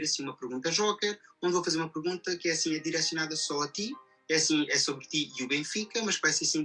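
Portuguese guy hosting a chatty interview, really bright sharp voice, bit husky, light music behind. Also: fairly high pitch. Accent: European Portuguese. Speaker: interview host. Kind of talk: conversational podcast interview, explaining at length.

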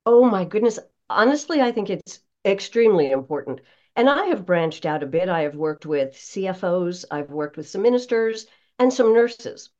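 An older American woman, a broadcast voice coach being interviewed, speaking in an emphatic, polished, conversational way with deliberate phrasing. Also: medium pitch, big pitch swings, darkish tone, highs cut off. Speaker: broadcast voice coach, podcast guest.

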